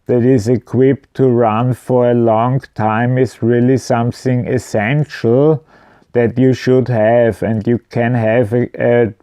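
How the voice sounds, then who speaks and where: A man's voice: mid-range voice, steady tone, takes it slowly, dark tone, clean tone, no room sound. A man giving an informal product explanation at home, speaking in a hesitant, matter-of-fact way. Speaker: video presenter. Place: indoors at home.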